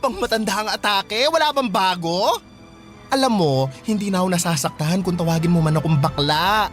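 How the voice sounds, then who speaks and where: A woman playing a feisty, sarcastic gay high school boy in a radio drama, with a dramatic, taunting, campy delivery. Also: expressive, fairly quick, faint music behind, close to an everyday voice. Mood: scornful, hurt.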